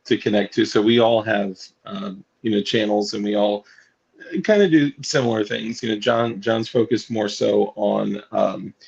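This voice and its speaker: A man with a raspy voice co-hosting a casual livestream, rambling and halting with lots of fillers. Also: lowish voice, fairly even intonation, a little mellow, dull audio. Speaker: co-host.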